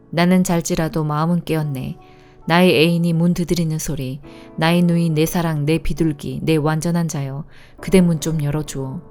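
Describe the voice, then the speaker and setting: A woman reads scripture aloud in a calm, measured way. Her voice sits fairly low and sounds warm and mellow. Soft instrumental music plays faintly behind her. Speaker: Bible reader.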